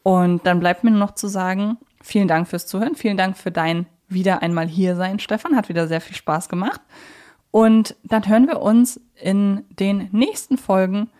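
A woman's voice: medium pitch, fairly even intonation, moderate pace, darkish tone. A woman hosting a podcast, chatting casually about fictional characters in a conversational discussion. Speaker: podcast host.

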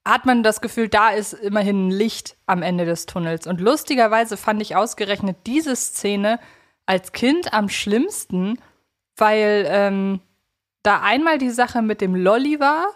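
A woman with a medium-pitched voice co-hosts a casual podcast. She analyses things reflectively and articulately, working through her thoughts as she speaks. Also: a little slow. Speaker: podcast co-host.

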